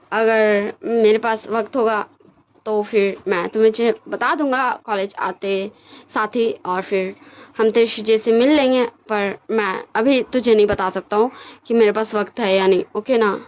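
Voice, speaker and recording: Fretful young male student, older brother, talkative, read by a woman, slightly high voice, muffled lo-fi sound. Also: steady tone, a little slow. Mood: worried.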